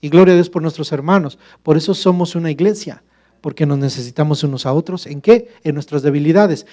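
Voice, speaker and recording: A man's voice: fairly high pitch, fairly quick, warm tone. A male pastor preaching a sermon, emphatic and full of rhetorical questions to the congregation.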